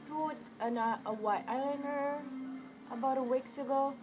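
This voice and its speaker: A woman speaks at a high pitch and a fairly slow pace, with ordinary pitch variation. Music plays in the background, and there is audible room echo. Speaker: beauty vlogger. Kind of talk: makeup tutorial. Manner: casual chatty.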